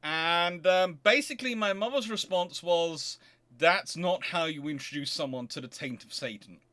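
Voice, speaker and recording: A man hosting a casual livestream, chatting in a halting, digressive way with wry, mildly sarcastic asides. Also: on the high side, pushed and bright. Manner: halting, digressive, self-interrupting. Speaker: livestream host answering chat. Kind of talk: casual rambling livestream chat.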